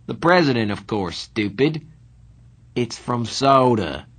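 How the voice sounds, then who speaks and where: A man plays a tough young street hood in an audiobook story. He sounds rough and cocky, talks in blunt slang and teases with a sardonic edge. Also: medium pitch, animated, takes it slowly, a bit bright. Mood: gruff teasing. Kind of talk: audiobook character dialogue.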